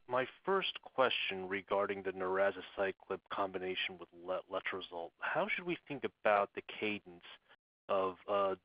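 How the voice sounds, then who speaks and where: A man's voice: lowish voice, no echo. A man asking questions as a financial analyst, informal and polite, over a muffled phone line. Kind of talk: casual professional question on a conference call.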